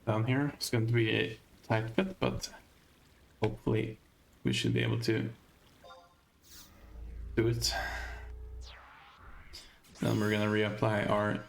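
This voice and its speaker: Slow, gravelly Swedish-accented man. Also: on the low side, expressive, a little hiss or hum. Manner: thinking aloud while navigating, hesitant. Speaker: let's play host. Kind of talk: gameplay commentary.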